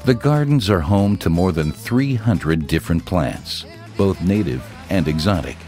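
A man giving calm, measured, reverent narration for a documentary. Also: deep voice, soft background music.

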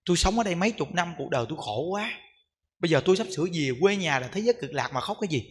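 A monk quoting a soft-scolding sick old woman. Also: on the high side, lively intonation, racing, lightly acted. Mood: calm scolding. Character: gravely ill elderly woman scolding her weeping family. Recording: long hall reverb.

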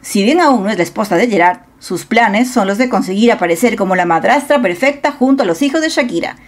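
A woman's voice: mid-range voice, lively intonation, a little fast. A woman reading a scripted celebrity gossip news voice-over in a dramatic, storytelling manner on a close mic. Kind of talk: scripted narration.

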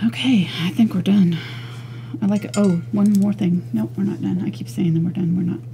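A woman teaching an acrylic painting lesson, talking casually and thinking aloud as she works, with soft murmured asides. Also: mid-range voice, fairly even intonation, moderate pace, creaky, a little hiss or hum. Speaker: painting instructor. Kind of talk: relaxed step-by-step art lesson.

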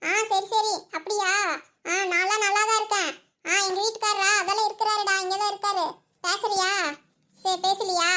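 Very high bright cartoon village wife a woman doing her, kongu accent, pleads and coaxes. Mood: chatty. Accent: Kongu Tamil. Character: chatty young village wife, quick to argue. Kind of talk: cartoon voice acting.

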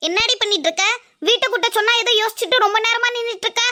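A woman's voice: very high-pitched, very fast, sharp tone. A woman voicing a scolding, fed-up mother-in-law in a cartoon, nagging and wailing at her daughter-in-law. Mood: exasperated. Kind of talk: cartoon voice acting.

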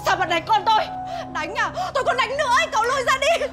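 Fierce middle-aged mom, high voice, yelling at people, music playing under her. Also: expressive, a little fast. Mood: furious. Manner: shouting, scolding. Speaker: mother of Thi. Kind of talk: TV drama acting.

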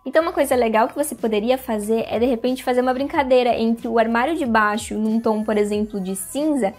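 A woman's voice: fairly high pitch, quick pace, soft background music. A young woman hosting an interior design video, talking casually to the camera on a lapel mic in a room, with lots of hand gestures. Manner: chatty, animated hand gestures, addresses viewers directly. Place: indoor room with curtains and plants.

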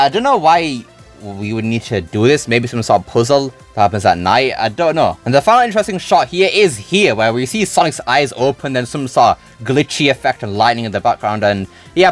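Male video creator, mid-pitched and lively, informal reaction commentary, thinking aloud, faint music underneath. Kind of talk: casual reaction commentary on a game trailer.

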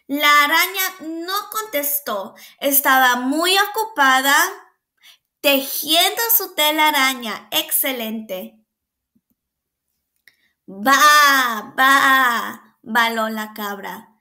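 A woman's voice: high voice, takes it slowly, bright, forceful tone. A woman preschool teacher reading a picture book aloud to young children. She patiently asks them questions, praises them, and sounds out the animal noises.

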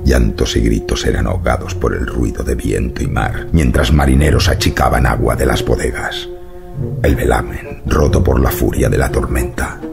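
A man narrating a horror audiobook in a gravelly voice, with slow, ominous, dramatic delivery. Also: rumbling low, fairly even intonation, over loud music.

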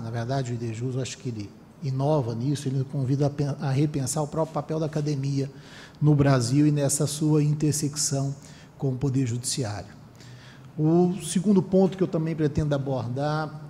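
A man in his thirties from Brazil giving a formal seminar speech at a panel table, measured, with frequent restarts. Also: medium pitch, warm tone. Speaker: panel speaker, council member. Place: conference room with panel table. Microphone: table microphone. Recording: long hall reverb, faint room noise.

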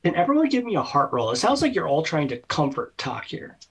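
Low, husky-voiced woman running a game. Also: big pitch swings, fairly quick. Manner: hesitant, many restarts. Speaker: game master. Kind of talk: narrating a tabletop game. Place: home room, video call.

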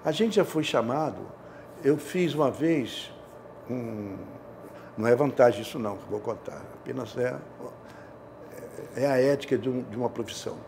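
Casting: man in his 70s, Rio accent, gravelly and mellow, casual storyteller in an interview. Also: medium pitch, moderate pace, long pauses, a little hiss or hum. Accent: Brazilian, Rio de Janeiro. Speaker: interview guest, theatre director. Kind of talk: casual anecdotal interview talk. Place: indoor studio, seated. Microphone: lapel.

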